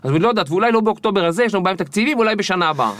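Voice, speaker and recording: A man guest on an interview podcast, telling stories in a lively way and acting out the people in them. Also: high voice, no room sound. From Israel. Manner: animated, acts out the people in his stories. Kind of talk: storytelling interview.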